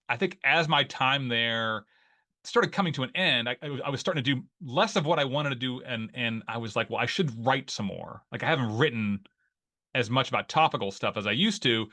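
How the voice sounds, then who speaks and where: A man in his forties with an Ohio accent, chatting as a guest in an interview. His voice sounds bright and forward, sitting at an ordinary pitch for a man. He rambles, circling back with fillers and restarts. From Northeast Ohio. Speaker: guest, newsletter writer. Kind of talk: casual interview conversation.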